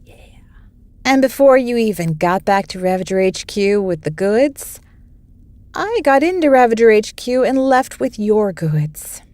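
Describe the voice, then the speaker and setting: A woman's voice: medium pitch, expressive, a little slow, darkish tone, no room sound, close to an everyday voice. A woman playing an odd, spacey wasteland dweller with a quirky, rambling way of talking in a comedy audio drama.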